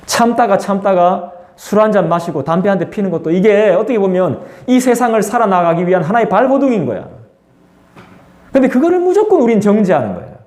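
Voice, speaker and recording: A man's voice: sits high, very animated, brisk, a little mellow. A man preaching a sermon as pastor, in a conversational way that acts out the voices of people he quotes. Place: church sanctuary. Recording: echoey church room.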